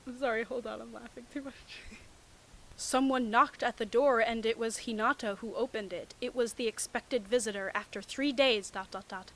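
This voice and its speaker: A woman's voice: on the high side, fairly even intonation, moderate pace, a bit bright, low-quality recording. A woman reading fan fiction aloud and breaking in with sarcastic, exasperated commentary. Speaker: online comedy commentator. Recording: amateur home recording with background static.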